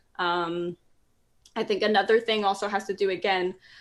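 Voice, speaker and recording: A plain, everyday voice with an American accent over a quiet background. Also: woman. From Northern New Jersey. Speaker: singer-songwriter. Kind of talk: casual interview.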